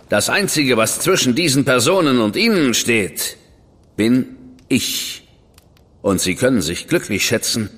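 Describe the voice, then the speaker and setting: Cold bossy government guy, lowish voice, curt, radio play with long reverb. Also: a bit bright, full character voice. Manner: curt, cool, commanding. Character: stern powerful government man, older brother. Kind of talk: German studio radio drama acting.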